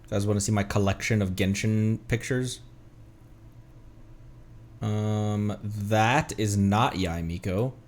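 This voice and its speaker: A man streaming a game, talking casually to viewers in an animated, rambling way and muttering to himself. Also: lowish voice, slow pace, pauses often. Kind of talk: casual livestream gaming chat with viewers.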